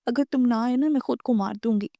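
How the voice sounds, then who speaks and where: Woman doing a desperate young woman, tearful and pleading, mellow voice, dry sound, audio novel. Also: a little high, vocal fry, no echo.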